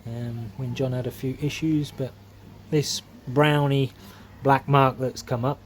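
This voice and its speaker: His voice is mid-range and level, his pace measured, with a touch of hiss or hum in the audio. This koi-keeping vlogger narrates casually by his garden pond, homely and chatty, with plenty of fillers, filmed on a camera mic used both handheld and on a tripod.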